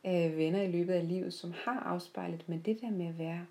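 A woman with a soft-edged, mellow voice, pitched a little low. She shares personal reflections without a script, in a heartfelt manner, pausing mid-sentence as she finds her way. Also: steady tone. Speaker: podcast host. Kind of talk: unscripted reflective personal storytelling.

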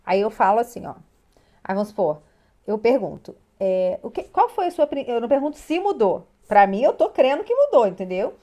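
A woman's voice: fairly high pitch, brisk. A woman from Brazil, a family coach, telling session stories and acting out what clients said. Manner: animated storyteller, acts out clients' replies. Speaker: child and parent coach. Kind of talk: casual chat about coaching sessions.

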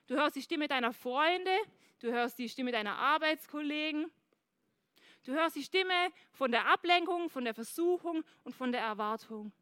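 Bright, high-voiced woman preacher. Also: no echo. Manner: lively, addresses the congregation directly. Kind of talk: sermon. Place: church service.

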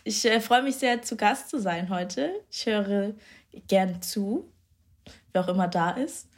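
Husky-voiced young woman, bubbly guest. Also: mid-range voice, unhurried. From Schleswig-Holstein, northern Germany. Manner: bubbly, laughs often, mixes in English slang. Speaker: podcast guest. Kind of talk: casual chat.

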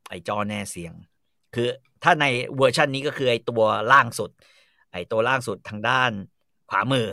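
A man telling a story in a casual chat, animated and full of crude slang, acting out bits of dialogue. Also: mid-range voice, moderate pace, dry recording, clean studio sound. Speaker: storyteller host.

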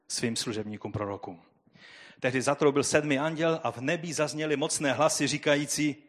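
A man preaching a sermon and reading scripture aloud, swinging between loud, drawn-out proclamation and quiet, low asides.

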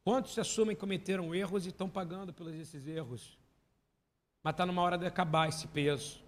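A man's voice: high voice, a little fast. A man preaching a sermon as pastor, emphatic and full of questions to the congregation. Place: church hall. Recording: long hall reverb.

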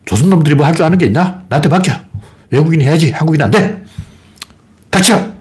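A man's voice: fairly high pitch, lively intonation, fast, darkish tone, pitched above the performer's own voice, close to an everyday voice. A man voicing an arrogant, contemptuous foreign man in a sneering, bossy tone.

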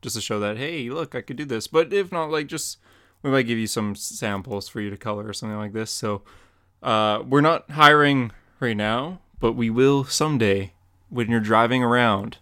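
A young man talking casually on a podcast in a relaxed way, joking and laughing as he goes. His voice sits at a middle pitch. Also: moderate pace, clear, resonant tone. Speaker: podcast co-host and comic artist. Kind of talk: casual chat.

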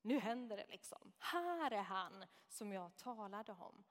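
A woman reading a scripture passage aloud and then explaining it verse by verse in a measured, reflective teaching manner. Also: mid-range voice, lively intonation. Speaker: Bible teacher. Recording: long reverb, hall-like.

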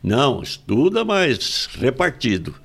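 A man's voice: medium pitch, sing-song, takes it slowly, vocal fry, fairly bright tone, slightly rough. A Brazilian man in his nineties, a retired agronomist being interviewed, who repeats himself and tags his sentences with questions. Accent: Brazilian Portuguese. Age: 90s. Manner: tag questions, frequent repetitions and restarts. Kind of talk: casual chat.

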